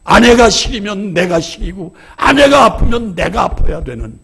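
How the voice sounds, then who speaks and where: Man, pastor, sermon, lively swooping delivery, slightly high voice, candid storytelling. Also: moderate pace, breathy edge. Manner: swings between hushed asides and shouted emphasis; candid, self-deprecating storytelling. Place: church.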